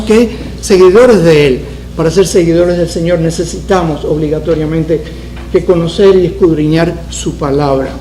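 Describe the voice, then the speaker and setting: A man's voice: high-pitched, darkish tone, slight background noise. Man teaching in an echoey church. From Cuba. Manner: preaching, repeats key phrases for emphasis, asks the congregation questions. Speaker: Bible study teacher. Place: church sanctuary.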